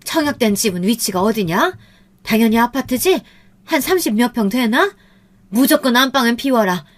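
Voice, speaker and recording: Domineering older mother-in-law played by a female narrator, brazen and scolding, lifted pitch, family story drama. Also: expressive, normal speed. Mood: brazen, demanding. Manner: demanding, scolding.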